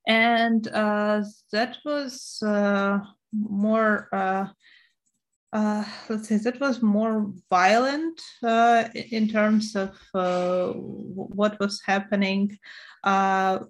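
A woman in her thirties with a Ukrainian accent, speaking at a slow, unhurried pace with a mid-range voice. She answers interview questions hesitantly and fills the gaps with many fillers. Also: mid-range voice, fairly even intonation. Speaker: interview guest.

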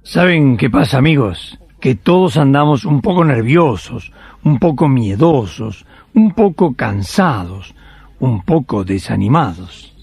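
A man's voice: medium pitch, darkish tone, slight background noise. A man narrating a radio drama, addressing listeners intimately.

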